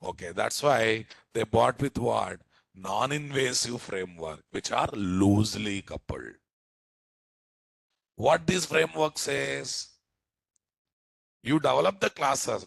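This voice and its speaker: A man's voice: medium pitch, lively intonation, takes it slowly, creaky, fairly bright tone, slightly rough, no echo. A man with a Telugu Indian accent giving an informal technical lecture as a programming teacher, often putting check questions to his listeners. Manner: asks frequent rhetorical check questions.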